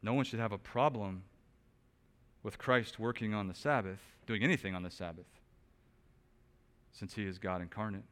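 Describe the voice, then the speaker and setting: A man preaching a sermon, asking rhetorical questions and swinging between quiet, low stretches and loud, emphatic bursts. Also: moderate pace, pauses often. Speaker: pastor. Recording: long reverb of a large hall.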